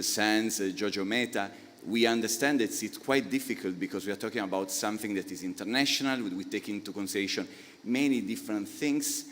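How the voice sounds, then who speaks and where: Italian guy on a panel, kinda low voice, lots of uhs, echoing conference hall. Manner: explanatory, halting with many filler sounds. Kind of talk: panel discussion answer.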